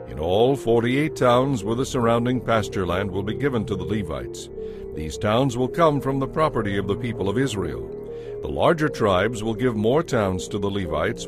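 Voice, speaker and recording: A man narrating dramatized scripture in a solemn, measured, authoritative manner. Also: on the low side. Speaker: audio Bible narrator. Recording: music under the voice. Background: music.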